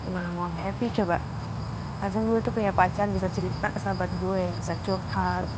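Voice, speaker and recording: A woman's voice: lowish voice, level tone, brisk, background noise, close to an everyday voice. An actress playing a young woman who pleads and coaxes in a TV drama. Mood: complaining. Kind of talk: TV film acting. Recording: TV drama with loud music underneath. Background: loud background music.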